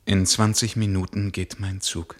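An actor playing a brooding, observant diarist who narrates a 1960s German radio play. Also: male voice, low voice, flat delivery, a little slow.

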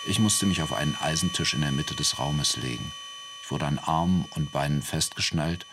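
A man's voice: a bass voice, normal speed, noisy background. An actor playing a man who soberly recalls electroshock treatment, as first-person narration in a radio play. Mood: sober recollection.

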